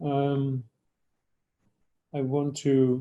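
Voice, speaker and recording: A man with a non-native accent speaks in a flat monotone at a fairly high pitch. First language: not English. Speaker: session moderator. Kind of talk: online workshop discussion. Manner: halting, many fillers.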